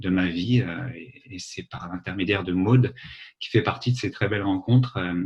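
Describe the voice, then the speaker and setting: Somewhat breathy male voice, fairly low in pitch, at a moderate pace. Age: 40s. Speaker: guest. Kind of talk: casual chat.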